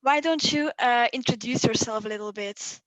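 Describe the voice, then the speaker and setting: A woman's voice: on the high side, moderate pace, fairly bright tone, dry recording, low-quality recording. A young woman interviewing a guest over a video call, asking questions with frequent hesitant fillers.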